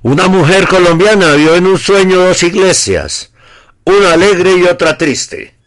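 A man presenting news, reading a scripted report at a measured, deliberate pace. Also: high-pitched, expressive.

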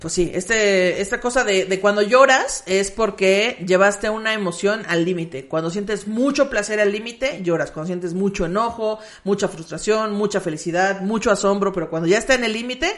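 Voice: medium pitch, normal speed, few pauses, fairly bright tone. Mexican podcaster telling stories casually. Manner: storytelling, quotes others, trails off and restarts. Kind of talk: casual chat.

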